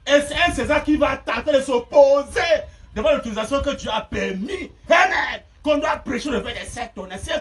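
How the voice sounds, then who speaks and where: A male preacher with a very high voice that leaps up and down as he delivers a fiery sermon, often shouting and breaking into laughter between phrases. He stands away from the mic, and a faint noise runs under the recording. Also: animated, normal speed, recorded from a distance.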